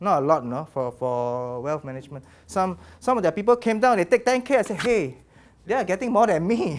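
A man with a Singaporean accent, high in pitch, with very wide pitch swings. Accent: Singaporean English (Singlish). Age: 50s. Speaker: banker speaking at public forum. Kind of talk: public forum talk. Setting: stage with audience. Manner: halting. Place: meeting room. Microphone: lapel.

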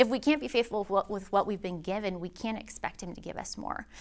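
A woman speaks at a medium pitch with vocal fry. Her pace is fairly quick. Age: 30s. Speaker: children's pastor. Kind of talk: conference workshop talk. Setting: conference room with small live audience and microphone. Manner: relaxed, conversational.

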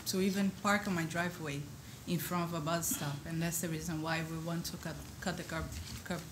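Against noticeable background noise, a woman talks at a fairly quick pace in a fairly low, flat monotone. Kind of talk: public testimony to committee. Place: hall. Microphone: podium.

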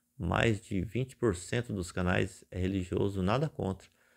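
Against a quiet background, a man talks in a relaxed tone with a very deep, low pitch. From Brazil. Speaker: satellite dish YouTuber; satellite TV vlogger. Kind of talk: casual reading of viewer comments. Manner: relaxed, conversational. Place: home room. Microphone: phone near.

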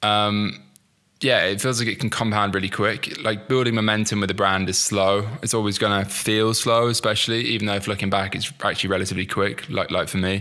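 Over a quiet background, a man talks at a fairly quick pace in a fairly low pitch, his loudness very even and his intonation monotone and flat. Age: 20s. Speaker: e-commerce entrepreneur, vlogger. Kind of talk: casual vlog monologue. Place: home room. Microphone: studio mic.

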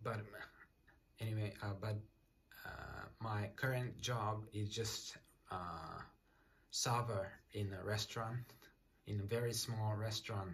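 Quiet and somewhat breathy, a man speaks at a very slow pace in a monotone, flat intonation, with long, frequent pauses and light background noise. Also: fairly low pitch for a man. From Japan. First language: Japanese. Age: 30s. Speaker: restaurant waiter. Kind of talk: casual talk to camera. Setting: small apartment at night. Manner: quiet, hesitant. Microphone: phone near.

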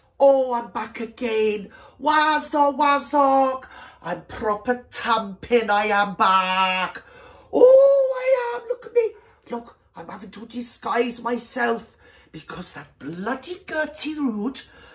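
Using a put-on character voice, a woman speaks at a fairly slow pace with a high pitch. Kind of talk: comic overacting. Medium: solo performance. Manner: whiny, indignant, rambling.

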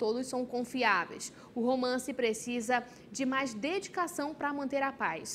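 At a fairly slow pace, a woman talks with a high pitch. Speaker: TV news host. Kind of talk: news show presenter and interviewer. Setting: studio.

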